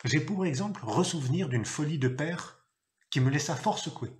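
A man reading a novel aloud, telling it expressively and acting out a gruff father's shouted lines. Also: a little high, lively intonation, normal speed. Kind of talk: literary reading.

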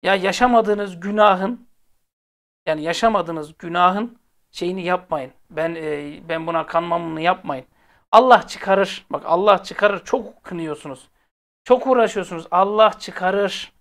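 A man's voice: high voice, measured pace, a bit bright. A man hosting a football fan channel, ranting casually to viewers in a blunt, exasperated way and repeating phrases for emphasis. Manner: speaks directly to viewers, blunt and heated.

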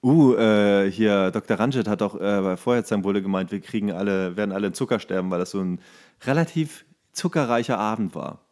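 A man's voice: on the low side, a little fast, darkish tone. A man co-hosting a podcast in casual comedic chat, talking in a crude, colloquial, jokey way. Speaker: podcast co-host.

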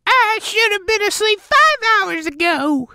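A man's voice: very high-pitched, sing-song, measured pace, vocal fry, sharp tone, no echo, clean studio sound, heavily acted. A man voicing a cranky, bossy elderly granny pony from a cartoon. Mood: whining. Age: older. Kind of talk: cartoon character voice demo.

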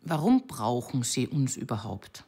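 A woman asking gentle questions as an off-camera interviewer. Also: very deep voice, sing-song, measured pace, faint music behind.

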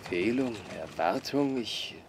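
An actor playing an earnest young immigrant surveyor, proud and quick to take offense. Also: male voice, mid-range voice, lively intonation, a little hiss or hum, lightly acted. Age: young adult.

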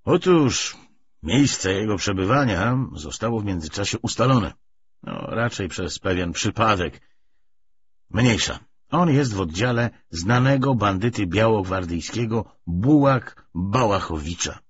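A man's voice: lowish voice, expressive, a little slow, slightly rough. A man voicing an indifferent male secret-police deputy in an audiobook, clipped and official in manner. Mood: coolly businesslike. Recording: dull lo-fi recording.

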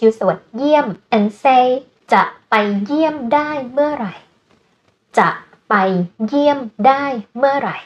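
A woman with a Thai accent, a native Thai speaker, teaching a language lesson and slowly repeating words. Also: sits high, muffled recording. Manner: slow, careful repetition of Thai words.

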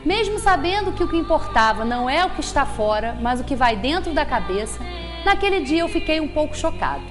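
A woman reads a story to a small audience in a steady, measured way. Her voice sits high, and music plays clearly behind her. She is recorded in a small meeting room by a camera set far back. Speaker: speaker at a spiritist center. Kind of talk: reading a story aloud in a talk.

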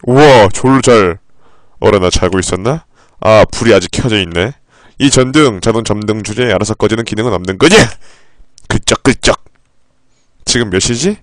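A man live-streaming a game playthrough. He reads the in-game text aloud in a low, flat voice and breaks into sudden, profane outbursts. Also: normal speed, long pauses, dry recording, studio quality.

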